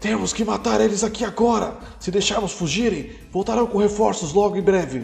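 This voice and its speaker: A man puts on a gruff, raspy, high-pitched character voice at a moderate pace. Clear background noise runs behind him. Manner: stubborn, defiant.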